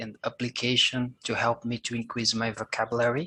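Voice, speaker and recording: At a moderate pace, a man with a Portuguese accent speaks in a bright, sharp tone. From Brazil. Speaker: English learner. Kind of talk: interview. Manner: halting.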